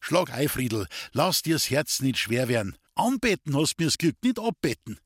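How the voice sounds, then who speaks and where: A man voicing a cheerful young male artilleryman with a Bavarian accent, speaking in a husky, hearty voice. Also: medium pitch, measured pace, no room sound, clean studio sound, pitched above the performer's own voice. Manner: hearty, lively dialect speech.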